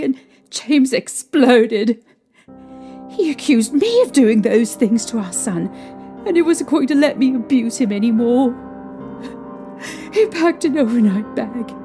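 A young woman playing a distraught, haunted mother recounting her ordeal emotionally and haltingly in an audio drama. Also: high-pitched, warm tone.

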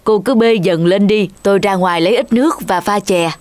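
A woman's voice: medium pitch, fairly quick, natural voice. A woman voicing a kindly but stubborn female cook in a folktale cartoon, with a breezy, homely, insistent manner. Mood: dismissive.

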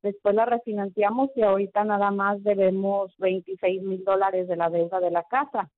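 A woman's voice: medium pitch, little pitch movement, dry recording. Hesitant woman caller on a tinny phone line. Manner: hesitant, pauses with fillers. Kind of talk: phone call to an advice show.

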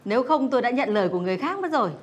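An actress playing a cordial, approving school head in a TV drama. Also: female voice, on the high side, sing-song, racing, muffled recording. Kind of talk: screen drama dialogue.

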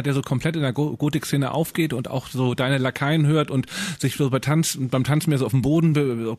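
Fast, teasing German radio host. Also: male voice, mid-range voice, a little mellow, dry recording. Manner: rapid teasing questions. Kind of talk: comedy radio chat with a caller.

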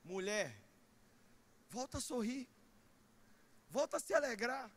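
A middle-aged man with a Brazilian Portuguese accent preaching a sermon in a church, animated and shouting, with comic asides. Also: very high voice, slow. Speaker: pastor.

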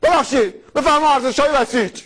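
High-voiced mocking male satirist. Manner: mocking, fast and animated, laughing. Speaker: satirical radio host. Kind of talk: satirical comedy sketch.

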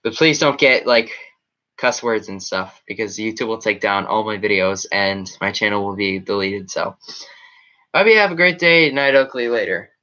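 A man's voice: on the low side, normal speed, bright, forceful tone, lo-fi sound. A teenage boy wearing a headset, casually rambling through his live chat in a small room with a green backdrop. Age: teens. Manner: rambling, chatty, reacting to comments. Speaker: livestream host reading chat.

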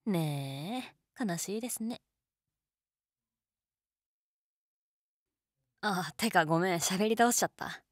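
Low-voiced, teasing college girl played by a woman. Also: lively intonation, normal speed, no room sound, studio quality. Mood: sympathetic, gentle. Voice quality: low-toned. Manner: teasing, casual, gently coaxing. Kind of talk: intimate situation-voice role-play, casual chat.

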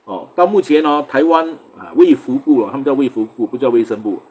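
Man from singapore, livestream host, husky voice, chatty, greets viewers, laughs a lot. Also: mid-range voice, lively intonation, brisk, darkish tone. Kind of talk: casual livestream chat.

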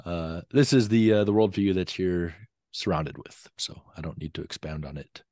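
Joining a video call from his home study on a desk microphone, this young scholar speaks in a low-pitched, slightly mellow voice, though he has a lingering cough. His measured, step-by-step explanations come with lots of ums, and the sound is clean and studio-like with no echo.

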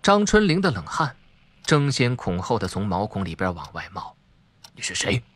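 A man's voice: on the low side, wildly swooping pitch, normal speed, fairly bright tone. A man narrating a suspense audiobook in a dramatic, emphatic storytelling manner.

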